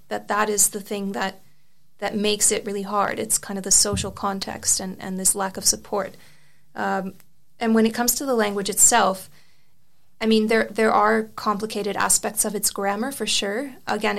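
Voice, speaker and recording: Mid-range and a bit bright, this young woman's voice carries vocal fry. Her first language is Serbian, and as an interview guest and article author she explains her views thoughtfully in a conversational interview, restarting often and using fillers.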